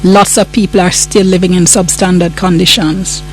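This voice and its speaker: A woman's voice: on the low side, level tone, normal speed, poor audio. Woman, indignant and emphatic, with faint music under her. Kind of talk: panel discussion.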